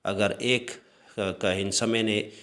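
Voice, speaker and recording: Deep-voiced man teaching a language lesson. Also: fairly even intonation, fairly bright tone. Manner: slow, repetitive, with frequent hesitations; clears his throat often. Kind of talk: screen-share language lesson.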